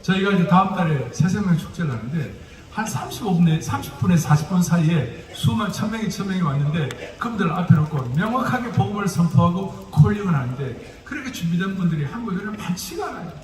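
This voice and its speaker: The pastor's voice is high and a little mellow, quick-paced with lively intonation. Speaking Gyeongsang dialect, he teaches his sermon lecture-style, joking and asking the audience rhetorical questions, and the hall recording is echoey, noisy and distantly miked.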